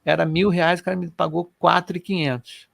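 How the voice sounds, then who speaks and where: A middle-aged man from Rio de Janeiro, telling personal stories in an animated, colloquial way as co-host of a casual chat. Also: high-pitched, brisk, creaky, no echo, clean studio sound. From Brazil. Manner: animated, colloquial, emotional storyteller.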